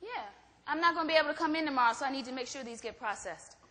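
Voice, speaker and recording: A woman's voice: high voice, very fast, sharp tone. A woman acting in a stage play as an anxious, defensive wife who insistently brushes questions off. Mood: hurried, evasive. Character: Gloria, defensive anxious wife covering for her husband. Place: theatre stage. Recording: echoey theatre hall.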